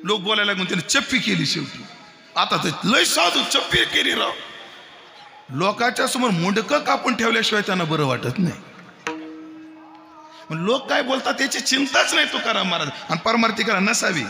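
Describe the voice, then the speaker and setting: A man preaching a devotional kirtan sermon with a Marathi accent, joking with the crowd and breaking into loud chanted verse. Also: high-pitched, sing-song, a little fast. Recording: echoey hall with music.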